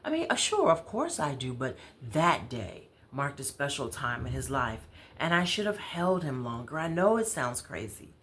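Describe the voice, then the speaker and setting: A woman's voice: extremely low pitch, sing-song, a bit bright, slight background noise, heavily acted. Woman acting out a troubled American mother venting. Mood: sad, guilty. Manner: halting, venting, conversational. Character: troubled, proud mother confiding in a friend.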